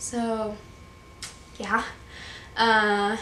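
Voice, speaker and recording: A woman speaks over noticeable background noise. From Argentina. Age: young. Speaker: au pair. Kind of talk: casual vlog talk to camera.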